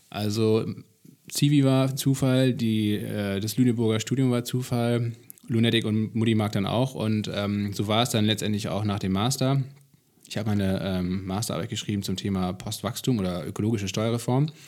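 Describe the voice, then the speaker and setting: In a normal speaking voice, a man with a fairly low pitch speaks at a moderate pace with fairly even intonation. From northern Germany, Kiel. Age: young. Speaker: podcast co-host and entrepreneur. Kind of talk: casual interview chat.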